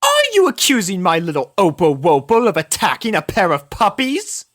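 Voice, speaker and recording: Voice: medium pitch, huge pitch swings, normal speed, a bit bright, pitched above the performer's own voice. A performer voicing a refined, dramatic female unicorn pony in a storybook reading, prim and theatrical in manner. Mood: indignant.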